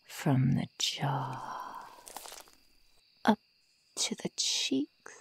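A woman voicing a sadistic young female werewolf in a slow ASMR roleplay, whispery and breathy, taunting and menacing her prey. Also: very deep voice, big pitch swings, heavily acted. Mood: cruel, playful. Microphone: close microphone, dry.

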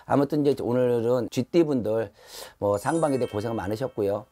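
A middle-aged man reads fortunes to camera in a steady, advisory way, pausing often on fillers. His voice is husky and dark, warm rather than bright. It is picked up close on a lapel mic indoors. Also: medium pitch, soft background music. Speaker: shaman fortune teller. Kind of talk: fortune reading talk to camera. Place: shrine room with altar, indoors.

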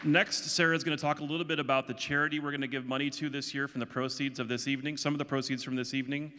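Middle-aged man, event host, mid pitch, public announcements, long hall echo, audience murmur. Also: little pitch movement, racing, pushed and bright, some chatter behind. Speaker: international student advisor, event host. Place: large auditorium stage. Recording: echoey hall with audience noise.

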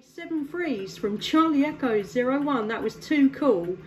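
Speaking from her home CB station, this English radio operator has a high, lively voice and takes her time as she chats with a far-off contact. Her manner is warm, full of laughter, with frequent ums and other fillers.

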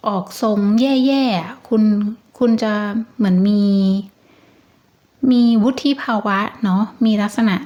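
A woman giving a casual tarot reading, talking in a gentle, chatty and reassuring way. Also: mid-range voice, slow pace, dull audio. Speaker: tarot reader.

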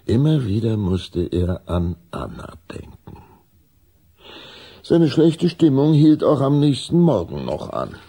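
A man with a gravelly voice narrating a children's audio drama in scripted storybook style. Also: mid-range voice, big pitch swings, slow pace, dark tone.

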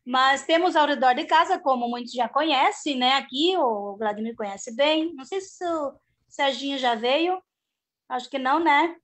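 A high-pitched middle-aged woman, speaking over a video call from her home. She rambles in a chatty, homespun way, restarting her sentences and tagging them with little checks. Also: normal speed, a bit bright. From southern Brazil. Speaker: organic farmer. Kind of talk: casual video-call panel talk.

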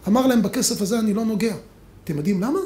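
Rabbi guy giving a lively lecture, acts out all the dialogue, loud then hushed, roomy echo. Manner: dramatic storytelling, acts out dialogue with big swings in pitch and volume.

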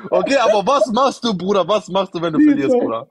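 A man's voice: high voice, expressive, fast talker, slightly rough. A man, casually questioning in street slang and insistently repeating himself. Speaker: questioner on a livestream.

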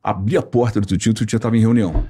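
A man's voice: lowish voice, very fast, husky. A man telling a story in casual podcast chat, acting out the voices of the people in it. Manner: animated storyteller, acts out quoted voices. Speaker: podcast guest.

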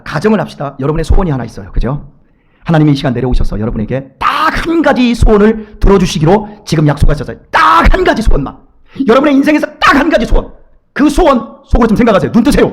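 A middle-aged pastor preaching in a church, his voice pitched very high and rushing quickly. He swings his tone up and down all the time and slips into little acted voices for the people in his stories. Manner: animated, acts out his children and God in quoted voices. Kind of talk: lively sermon with acted quotes. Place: church sanctuary.

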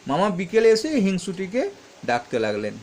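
A man's voice: high-pitched, huge pitch swings, normal speed, a little mellow. A man teaching, reading questions aloud and answering them step by step, stopping often to correct himself. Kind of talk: explaining textbook answers.

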